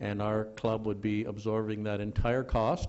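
Medium-pitched male voice at a moderate pace. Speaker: community club treasurer. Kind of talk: presentation to council. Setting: council chamber. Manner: hesitant, many fillers; loud.

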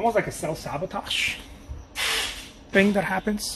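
Light background noise behind a male speaker with ordinary pitch variation. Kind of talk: casual vlog chat. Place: studio.

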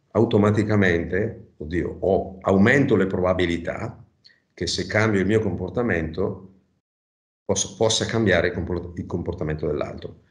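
Against a quiet background, a man with a very deep, low, somewhat breathy voice speaks at a moderate pace with fairly even intonation and long, frequent pauses. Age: 60s. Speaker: psychology practitioner; interviewee. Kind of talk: interview. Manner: halting, many fillers and repetitions. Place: home room. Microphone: video call.

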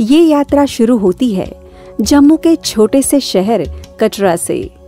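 With music in the background, a woman's voice moves through very wide pitch swings. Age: 30s. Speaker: voice actor. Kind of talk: documentary narration.

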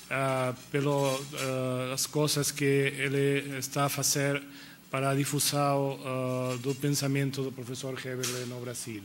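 A man's very slow, monotone, flat delivery over light background noise. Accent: Spanish. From Spain. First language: Spanish (speaking Portuguese). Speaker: law professor. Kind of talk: conference lecture. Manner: halting, many hesitations. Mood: warm, grateful. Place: hall. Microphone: podium.

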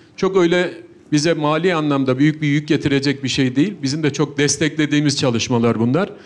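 Fairly high-pitched, a man speaks at a fairly quick pace with fairly even intonation and very even loudness. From Turkey, Adana. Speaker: government minister and professor. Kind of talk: town-hall chat. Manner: formal. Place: home room. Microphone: handheld.

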